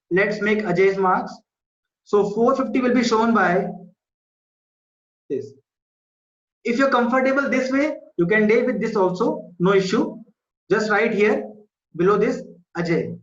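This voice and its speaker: A man's voice: sits high, a little slow, pauses often, fairly bright tone. A man with a South Asian accent teaching an online school maths class, explaining step by step, repeating himself and checking that students understand. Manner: repetitive, checks understanding with short questions. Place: indoor room, online video class. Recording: muffled, echoey online class audio.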